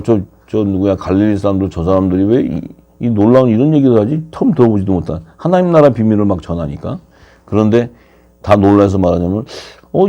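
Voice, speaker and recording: A man preaching a sermon, lively and questioning his listeners, his pitch swinging up and down. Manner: animated, asks the audience questions, pitch swings widely.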